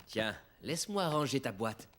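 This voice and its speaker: A woman's voice: extremely low pitch, big pitch swings, moderate pace. An actor playing a kind, playful father in a French-dubbed children's cartoon, speaking expressively. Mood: friendly.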